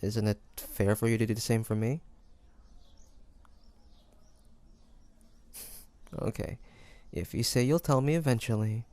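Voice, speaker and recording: A man playing a weary, guarded but tender demon hunter in an intimate audio drama, speaking softly and haltingly. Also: mid-range voice, no room sound, lightly acted. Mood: probing, gentle. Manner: hesitant, halting, sighing, soft-spoken.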